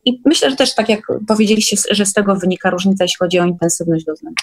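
A woman's voice: mid-range voice, racing. A woman speaking as a guest in a casual conversation, recalling her own experiences. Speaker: guest sharing workshop experiences.

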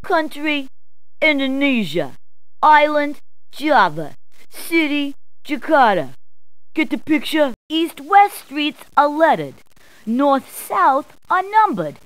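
A brash video game policewoman. Her voice is very high and swoops widely as she gives directions. The delivery is playful, punning and emphatic, in a dry, close recording. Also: sing-song, slow, a bit bright, no echo, heavily acted, poor audio. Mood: brash, helpful. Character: brash, jokey New York policewoman giving directions. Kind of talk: scripted video game character clips.

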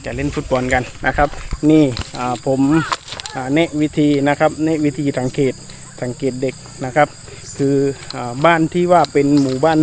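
A man talking casually to viewers in an explanatory vlog, hesitant and repetitive, with many drawn-out filler pauses. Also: a little high, darkish tone. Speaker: soldier vlogger addressing viewers. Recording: noisy outdoor recording with insect ambience.

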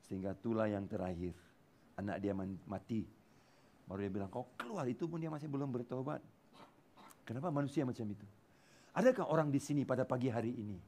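A man with a Malaysian accent preaching a sermon in church, mixing in English words and swinging between loud bursts and soft asides. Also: mid-range voice, animated, a little fast, long pauses. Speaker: pastor. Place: church hall.

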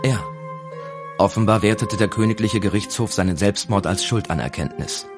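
A man narrating an audiobook in a calm, even storytelling manner. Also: lowish voice, brisk, over music.

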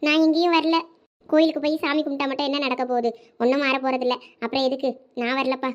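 A woman's voice: high-pitched, level tone, fast talker, lo-fi sound, natural voice. A woman with a Thoothukudi Tamil accent playing a sulky teenage girl who complains about her birthday. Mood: stubborn.

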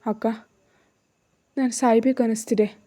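A woman's voice: a little high, fairly even intonation, a little slow, warm tone, lightly acted. A woman voicing a frightened young student. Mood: tearful.

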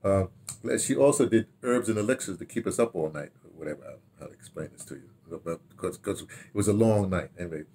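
An older man with an American accent, reminiscing casually to camera in a rambling, halting way, repeating words as he goes. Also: deep voice, animated, mellow, a little hiss or hum. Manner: rambling, halting delivery, repeating words, checking notes aloud. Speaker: radio drama producer recalling past productions. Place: small book-lined room at home, indoors.

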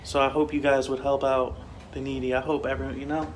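A man's voice: medium pitch, little pitch movement, fast, slight background noise. A man in his twenties vlogging as he explores an abandoned motel, speaking earnestly and a bit preachily into a phone held at arm's length. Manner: earnest, preachy when giving advice. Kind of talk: casual vlog chat. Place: outdoors at an abandoned motel, covered walkway. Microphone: phone camera held at arm's length.

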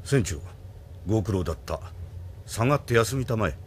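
A man's voice: on the low side, animated, moderate pace, slight background noise, close to an everyday voice. An actor playing a stern male admiral who insists on rank, speaking in a formal, commanding way.

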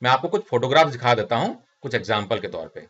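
A man's voice: medium pitch, big pitch swings, fast, a bit bright. Indian man lecturing over slides. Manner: explanatory, addresses viewers as friends, frequent fillers. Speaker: instructor. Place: small studio room indoors. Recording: slightly dull lo-fi sound.

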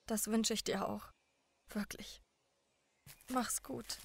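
A flat, monotone young woman for a radio crime drama, her voice gravelly with fry. The sound is dry and close. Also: mid-range voice, slow pace, no echo. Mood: subdued. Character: young woman named Johanna, saying farewell.

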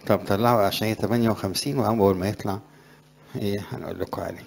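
A man's voice: fairly low pitch, rapid-fire, gravelly, darkish tone. A middle-aged man, a priest with an Egyptian Arabic accent, giving a conversational sermon to young graduates and rising in emphasis on scripture verses.

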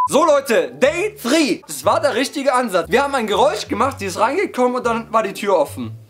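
A hoarse young man doing let's-play commentary, excitable, yelping and laughing as he talks to his viewers. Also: very high-pitched, fairly quick. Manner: excitable, yelps and laughs, keeps addressing viewers. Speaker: gaming YouTuber. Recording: background music under voice. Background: game music.

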